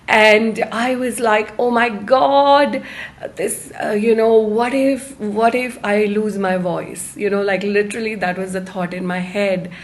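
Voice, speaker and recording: A woman hosting a live online self-help talk, speaking to her viewers in a halting, deliberate way with stressed phrases. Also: medium pitch, steady tone. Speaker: host of a live-streamed self-help series.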